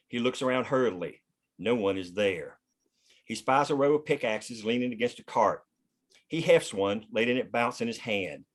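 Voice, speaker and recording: A man reading scene headings and stage directions aloud as scripted narration at a table read. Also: mid-range voice.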